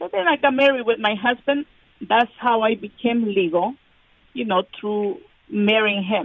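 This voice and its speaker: Speaking with a Spanish accent, a woman talks at a fairly slow pace in a fairly high pitch with ordinary pitch variation. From Guatemala. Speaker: immigrant guest. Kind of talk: interview. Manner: halting, many fillers.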